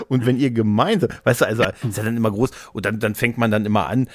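A man's voice: on the low side, fairly quick, no echo. A middle-aged man chatting casually as a podcast host, telling anecdotes and acting out what people said. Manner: animated storyteller, acts out quotes.

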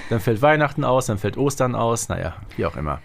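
A man's voice: medium pitch, animated, quick pace, creaky. A man co-hosting a podcast, explaining things casually in a conversational way. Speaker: podcast co-host. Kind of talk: casual chat about an audio drama series.

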